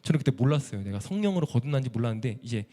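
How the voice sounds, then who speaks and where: A man giving an emotional church testimony as a missionary violinist, telling his story with animated feeling. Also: medium pitch, racing. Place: church sanctuary. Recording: echoey church hall.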